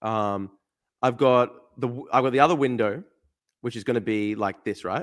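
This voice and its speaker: A man with an Australian accent speaks at a moderate pace, his pitch medium with ordinary variation. He leaves long, frequent pauses. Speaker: livestream debate host. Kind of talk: casual livestream chat. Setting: livestream with Zoom call. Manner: animated.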